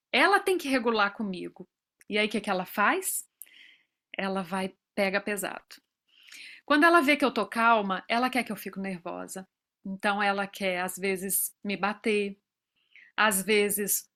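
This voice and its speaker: A woman's voice: high-pitched, bright, forceful tone. A Brazilian woman in her forties giving a talk to professionals, telling stories from her own family and acting out quoted dialogue. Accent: Brazilian Portuguese. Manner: acts out dialogue in quoted voices. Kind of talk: lecture with personal stories.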